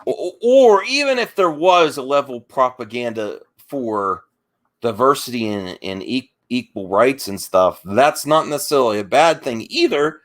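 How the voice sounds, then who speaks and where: Male debater, mid-pitched voice, halting and defensive, arguing his side off the cuff in an online discussion. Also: animated, fairly bright tone. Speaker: debate guest.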